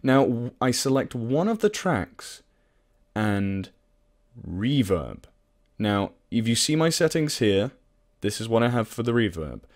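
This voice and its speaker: A man presenting a casual software tutorial in an informal, self-deprecating, sweary way. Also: mid-range voice, big pitch swings, unhurried.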